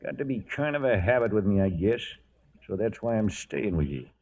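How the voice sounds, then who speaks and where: An actor playing a loyal, plain-spoken old trail hand who narrates and acts in a western radio drama. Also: male voice, fairly low pitch, very animated, a little fast, darkish tone, slightly rough, lo-fi sound, exaggerated voice. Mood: reluctant, loyal. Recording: noisy vintage radio recording.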